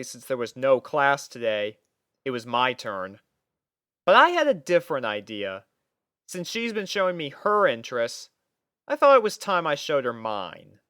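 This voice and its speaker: A man narrating a first-person story from a script in an expressive storytelling manner. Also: medium pitch, smooth, no room sound, clean studio sound.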